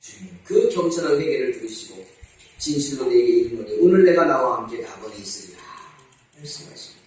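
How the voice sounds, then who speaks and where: A man's voice: medium pitch, animated, a little fast, a little mellow. A man preaching a sermon as pastor, asking rhetorical questions and repeating his calls to repent. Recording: echoey church hall, mic at a distance.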